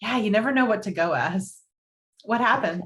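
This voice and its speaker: A woman's voice: mid-range voice, animated, normal speed, fairly bright tone, lightly acted. An actress playing Sally's part in a romantic comedy table read, an earnest and particular newly single woman. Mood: brisk, guarded. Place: indoors, virtual video-call table read.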